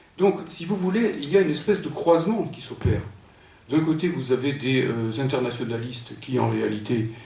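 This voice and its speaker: Over noticeable background noise and audible room echo, a man speaks at a fairly high pitch with lively intonation. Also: moderate pace. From northern France (Pas-de-Calais). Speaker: political speaker. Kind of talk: lecture. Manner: hesitant, many fillers.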